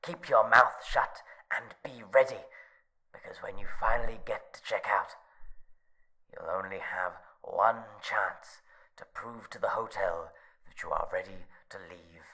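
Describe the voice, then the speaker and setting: An actor playing a mysterious guide who gives hushed, urgent warnings, often in a whisper. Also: male voice, fairly low pitch, measured pace, low-quality recording. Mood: ominous.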